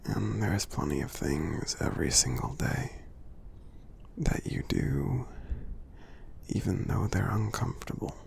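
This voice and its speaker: A man voicing a friendly, kindly giant in an ASMR roleplay, speaking softly and breathily with a gravelly edge, in a tender, halting, encouraging way. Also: deep voice, sing-song, exaggerated voice. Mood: gentle, reassuring. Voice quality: soft, breathy, half-whispered, gravelly. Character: gentle friendly male giant, kindly and reassuring.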